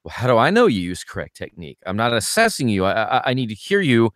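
A man's voice: quick pace, dry recording, clean studio sound. A man working as a vocal coach, chatting casually and acting out his students' complaints. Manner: animated, acts out students' complaints in a higher voice. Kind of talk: casual podcast chat.

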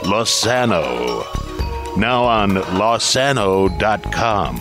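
A man's voice: fairly low pitch, big pitch swings, slow pace, over music. A man reading network promos in an offhand, jokey way. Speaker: network announcer. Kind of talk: promo announcing.

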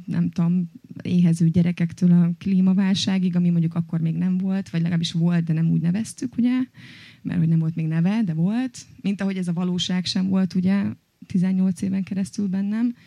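Woman storyteller, chatty and halting, warm tone, close and dry. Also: lowish voice, fairly even intonation, gravelly, no echo. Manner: chatty, many fillers and hesitations. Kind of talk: personal story told on stage.

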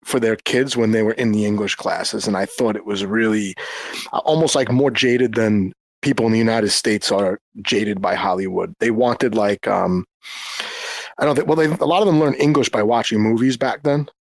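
A man from New York, a guest in a casual group chat, talking in a halting way as he searches for words and restarts often. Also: lowish voice, gravelly, no echo. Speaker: guest, former English teacher.

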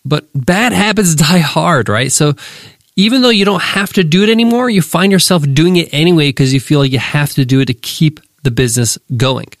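Speaking directly to his audience, this podcast host runs a business lesson in an upbeat, motivational tone despite the nasal, congested sound of a cold. His voice is a little high and brisk, captured in studio quality without echo.

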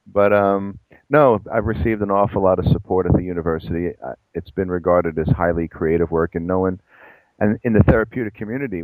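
A man's voice: deep voice, dry recording, narrow, tinny audio. A middle-aged man, a psychologist and professor, answering interview questions in a discursive, self-deprecating way with many restarts.

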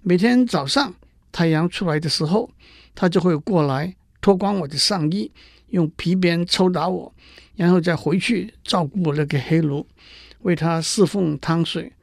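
A man's voice: fairly high pitch, normal speed, creaky, no room sound, studio quality. A man voicing a suffering young prince who is half turned to stone, telling his woes in a mournful storytelling tone. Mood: grieving.

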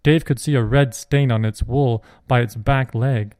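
Male storyteller, mid-pitched, steady clear reading, dry close sound. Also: measured pace, no echo. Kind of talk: reading a Christian children's story aloud.

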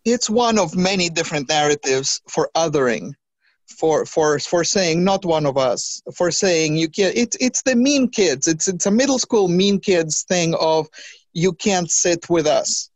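A trans woman talking as a podcast guest, animated, with quick restarts and acted-out quotes. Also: fairly low pitch, no room sound. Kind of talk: conversational interview.

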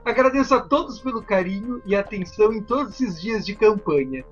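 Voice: medium pitch, lively intonation, fairly quick, dull audio, soft background music. Brazilian speaker giving a mock campaign speech.

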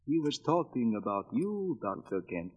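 An actor playing a shifty foreign handyman turned blackmailer, speaking halting broken English, in 1940s radio acting on an old radio show recording. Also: medium pitch, very animated, breathy edge. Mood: menacing. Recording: dull old broadcast with long reverb.

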